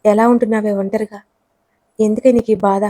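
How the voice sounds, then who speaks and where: A woman's voice: mid-range voice, level tone, a little fast, dark tone, no room sound, natural voice. A woman voicing a persistent young man who teases and coaxes. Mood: pleading. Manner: teasing and coaxing.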